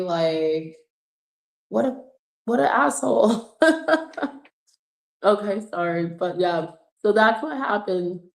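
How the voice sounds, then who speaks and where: A woman's voice: medium pitch, roomy sound. A woman hosting a casual tarot livestream, telling a story in a chatty way and laughing often. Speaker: tarot reader and livestream host.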